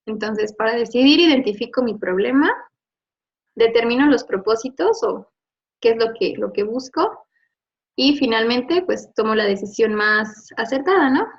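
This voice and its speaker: A woman's voice: on the high side, animated, normal speed. A woman teacher, patiently going over a lesson with a student, explaining with examples and checking in with short questions. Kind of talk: remote review lesson. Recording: dull lo-fi audio.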